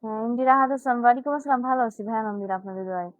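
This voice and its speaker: A woman's voice: a little high, racing, no echo, phone-quality sound. Chatty teenage girl live streamer. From Bangladesh. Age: teens. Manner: chatty, answers viewers one by one. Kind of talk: casual live chat reading comments.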